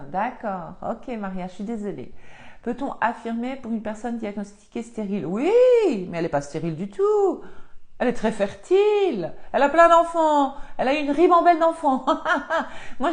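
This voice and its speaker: A woman, chatting on a live stream from her home office and answering viewer comments as a spiritual coach. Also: on the high side. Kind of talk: casual live-stream chat.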